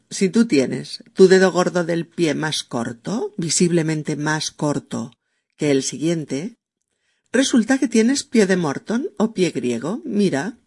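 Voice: medium pitch, a little mellow, husky. A podcast host who explains unusual words in a chatty, musing way and spells them out letter by letter.

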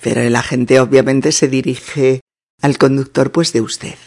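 Slow, deliberate male language teacher. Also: medium pitch, steady tone, darkish tone, no room sound, clean studio sound. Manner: measured, checks in with a questioning "mm?". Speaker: Spanish teacher. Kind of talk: slow, careful podcast lesson.

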